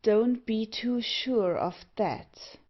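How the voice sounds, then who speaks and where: A woman voicing a commanding, menacing male villain who speaks in a slow, imperious way. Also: a little high. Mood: stern, menacing. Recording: dull, lo-fi audio.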